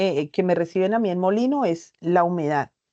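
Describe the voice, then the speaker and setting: Dark and mellow in tone, a woman's voice sits at a medium pitch with ordinary pitch variation. The sound is dry and close, with no echo. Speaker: instructor. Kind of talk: online class. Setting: video call.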